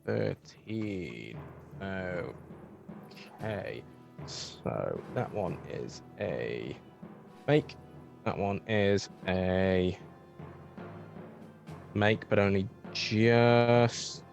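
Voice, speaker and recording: A man acting as dungeon master, calmly narrating a tabletop game and talking through rolls and moves. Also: low voice, extremely slow, vocal fry, long pauses, lo-fi sound, soft background music.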